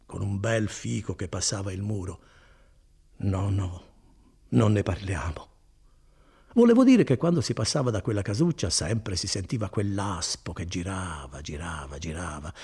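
A man voicing a chatty, good-hearted older male cousin, a foreman, in an animated folksy manner with chuckles. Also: on the low side, slightly rough, exaggerated voice. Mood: nostalgic.

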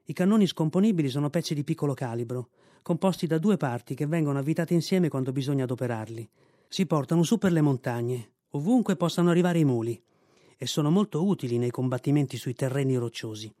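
A man reading a classic novel aloud in measured, clear storytelling narration, recorded in a radio studio. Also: on the high side, lively intonation, mellow, dry recording. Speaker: reader. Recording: dry studio radio recording with faint music.

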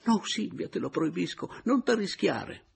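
A man putting on a shrill, touchy young woman. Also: sing-song, unhurried, vocal fry, a little hiss or hum, full character voice. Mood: indignant. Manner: shrill, indignant, protesting. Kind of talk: dramatic audiobook reading.

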